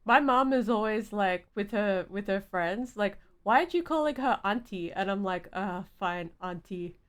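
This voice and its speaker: A woman's voice: medium pitch, lively intonation, normal speed. A woman livestreamer giving chatty, giggly, casual reaction commentary while playing a story game.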